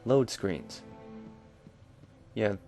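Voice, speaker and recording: A man's voice: lowish voice, big pitch swings, drawn-out words, mellow, soft background music. A young man casually commentating a video game with dry, joking asides. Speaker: let's-play commentator.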